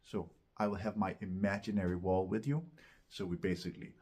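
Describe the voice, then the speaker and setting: A man with a husky, gravelly voice giving an informal step-by-step vocal technique lesson as a coach, often checking in with the listener. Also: low-pitched, fairly even intonation, fairly quick, darkish tone. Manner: informal step-by-step explaining with frequent check-in tags.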